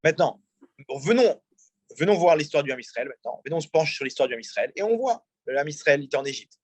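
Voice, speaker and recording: A man's voice: on the high side, lively intonation, fast talker, breathy edge, no room sound. A man, a rabbi, teaching a religious class and asking his audience questions as he explains. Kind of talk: religious lecture. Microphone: in-room mic, also streamed on a video call.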